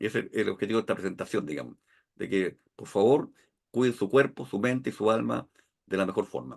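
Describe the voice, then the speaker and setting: A man talks at a fairly quick pace in a fairly low pitch, with some vocal fry. His intonation is lively. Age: 70s. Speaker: biologist. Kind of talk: talk followed by Q&A. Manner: halting, many repetitions.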